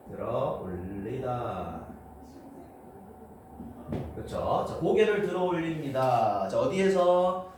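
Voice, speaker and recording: A male teacher with a mid-range, somewhat mellow voice lectures a class on English grammar, explaining step by step and often checking that students agree. The room mic makes it sound roomy, distant, and noisy.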